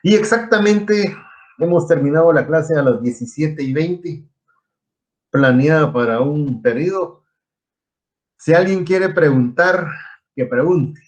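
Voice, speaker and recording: A Guatemalan man teaches an online engineering class in a voice on the high side, speaking slowly with frequent pauses. He explains things step by step and quizzes his students.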